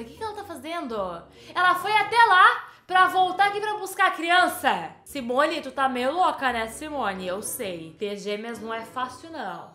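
High, bright-voiced excitable woman gamer. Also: echoey room. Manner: excitable, scolds and chats with the game characters. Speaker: gameplay host. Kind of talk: casual gameplay commentary.

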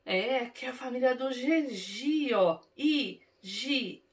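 A woman's voice: high-pitched, animated, a little slow. A Brazilian woman teacher reading words aloud syllable by syllable for young children in a literacy lesson, coaxing them to read along. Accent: Brazilian Portuguese.

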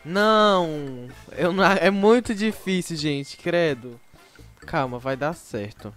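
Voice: mid-range voice, expressive, takes it slowly, fairly bright tone, faint music behind. A Brazilian-accented YouTube gamer chatting to viewers while playing, with frequent exclamations and sudden shrieks. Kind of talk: casual gameplay commentary.

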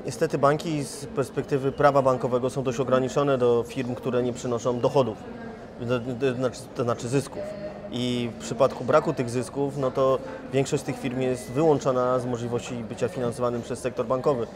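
A man in his forties answers questions on a lapel mic at a busy conference, his voice in a middle register. He talks in a measured way and often restarts his phrases. Clear crowd chatter fills the background. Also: mid-range voice, little pitch movement. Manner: measured, with frequent restarts and fillers. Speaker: investment firm chief executive. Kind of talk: interview answers. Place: conference hall in front of a sponsor wall.

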